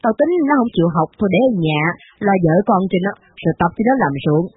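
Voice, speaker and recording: Woman voicing a hot-tempered wealthy old matriarch, scolding, husky, dry tinny recording. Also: a little high, big pitch swings, moderate pace, dry recording, long reverb tail, heavily acted. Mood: angry. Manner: scolding, blunt, harsh. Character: rich old mother, domineering and quick-tempered.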